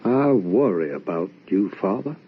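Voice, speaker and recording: An actor playing an anguished, probing young son in an old-time radio drama, with earnest, theatrical, questioning delivery. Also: male voice, low voice, lively intonation, measured pace, slight background noise. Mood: worried, gentle. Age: young adult. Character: anguished, probing young adult son narrating a ghost tale. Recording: dull, lo-fi old radio recording.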